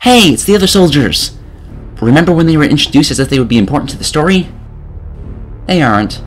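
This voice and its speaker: A man's voice: fairly high pitch, lively intonation, fast talker, soft background music. A man narrating a scripted comedic game review in an exasperated, sarcastic way.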